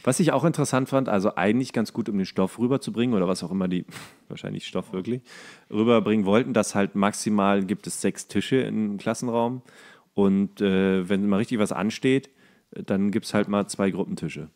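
A man with a fairly low voice chats casually as a podcast co-host. He sounds tired and a little drunk, and his jokey sentences ramble and trail off. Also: moderate pace, a little mellow. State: tipsy and tired from whisky. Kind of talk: casual comedic chat.

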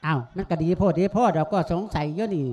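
A man's voice: a little high, quick pace, a little mellow, close to an everyday voice. A man with an Isan accent voicing a grumpy old village grandmother who scolds her daughter-in-law bluntly in a sermon folk drama, speaking into a handheld mic. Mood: scolding. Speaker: monk performing a sermon tale. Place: outdoor tent at a temple gathering.

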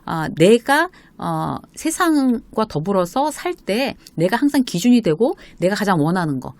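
A middle-aged woman talks through workplace advice in a relaxed, chatty lecture, full of fillers and little acted-out quotes. Her pitch moves a lot, swooping up and down as she explains. The sound is close and dry, with no room echo. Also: measured pace. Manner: chatty, many fillers, acts out quoted dialogue.

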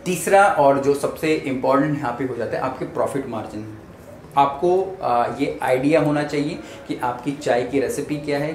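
A man's voice: medium pitch, a little mellow. A man in his thirties, a chef, explaining how to start a small food business to the camera, talking directly to the viewer with busy hand gestures. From India. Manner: gestures with both hands while explaining; conversational, addresses viewer directly. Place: indoor room in front of a chalkboard. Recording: roomy indoor echo, faint background hum.

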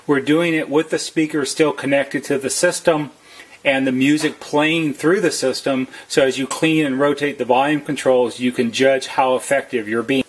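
Slightly husky man giving practical instructions. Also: medium pitch, poor audio. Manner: plain, methodical, step-by-step explaining. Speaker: service technician giving a tutorial. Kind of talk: instructional how-to narration.

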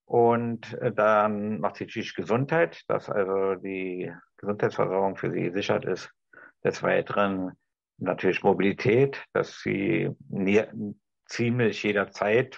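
A middle-aged man with a restrained Berlin German accent gives an improvised address, halting and choosing his words carefully, with a gravelly, husky voice. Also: on the low side, dry recording. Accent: Berlin German, restrained toward High German. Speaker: discussion participant. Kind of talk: improvised speech to an imagined TV audience. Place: small room indoors. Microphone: video call, device at some distance. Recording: dull, lo-fi video-call audio.

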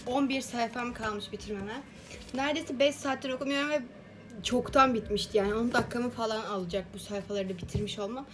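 High-voiced chatty woman vlogger. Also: a little fast, slight background noise. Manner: chatty and highly expressive, addressing viewers as friends. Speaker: book vlogger. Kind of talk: casual reading-marathon vlog.

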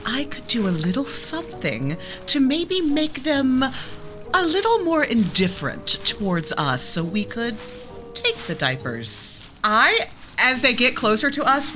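A woman playing a tabletop game, describing what her character does. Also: mid-range voice.

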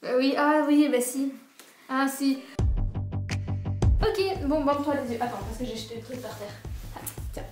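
High-voiced woman teasing a friend. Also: over music. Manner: teasing, quick banter. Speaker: book vlogger. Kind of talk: casual chat. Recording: echoey room.

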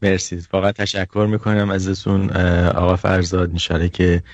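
A man hosting a talk show, thanking his guest and announcing music, polite and halting, repeating words. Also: deep voice, monotone, no room sound, highs cut off. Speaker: host.

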